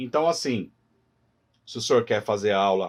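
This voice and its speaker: With ordinary pitch variation and a moderate pace, a man is heard on a very clean recording with a silent background. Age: 40s. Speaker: para-karate instructor. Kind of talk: interview. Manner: halting.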